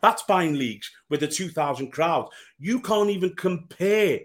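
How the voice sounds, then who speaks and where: Male podcast panellist, high-voiced, emphatic and insistent, debating sport with repetition for weight. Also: lively intonation, unhurried. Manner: insistent, emphatic, repeats key points.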